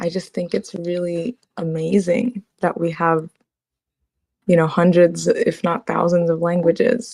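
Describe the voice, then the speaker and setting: A woman's fairly low, fairly evenly intoned voice at a fairly slow pace, dry and close with no echo. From US, Bengali family. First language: Bengali. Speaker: caller. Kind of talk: casual chat.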